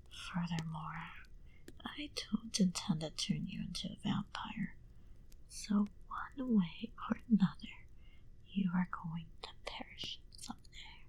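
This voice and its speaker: A woman voicing a proud, menacing vampire in a whispered ASMR roleplay, speaking deliberately and condescendingly into a close binaural mic. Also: on the low side, exaggerated voice, poor audio. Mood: cool, menacing. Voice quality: breathy, hushed whisper. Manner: slow, deliberate, coolly condescending to the listener. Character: proud, menacing female vampire recounting her past. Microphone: close binaural microphone.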